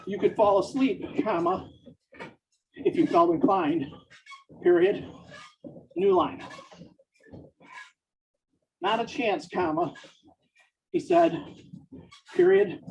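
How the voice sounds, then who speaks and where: A writer dictating a story aloud in a slow, deliberate way, pausing between phrases and speaking every punctuation mark. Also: mid-range voice, lively intonation, a little mellow, slight background noise. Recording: dull, distant mic.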